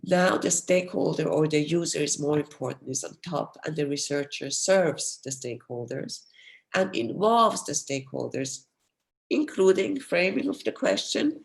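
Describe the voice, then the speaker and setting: Gravelly-voiced woman lecturing, voice going. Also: low-pitched, moderate pace. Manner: explanatory, steady, apologetic when interrupted. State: losing her voice, coughing. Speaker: professor giving a research seminar. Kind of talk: academic lecture.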